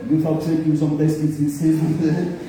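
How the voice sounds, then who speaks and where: Rapid-fire and level in tone, a middle-aged pastor with a fairly high voice teases his congregation and mimics people during a comic sermon. The church hall sounds echoey through a distant mic, with background noise.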